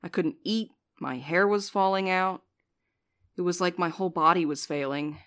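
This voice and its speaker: A woman acts a jaded young female courier in a fiction podcast. Her voice sits on the low side and sounds weary. She speaks with dry sarcasm. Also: moderate pace, fairly bright tone, clean tone, natural voice. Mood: confessional, bitter. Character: jaded, sardonic, sleep-deprived young woman courier named Val. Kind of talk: audio fiction podcast acting.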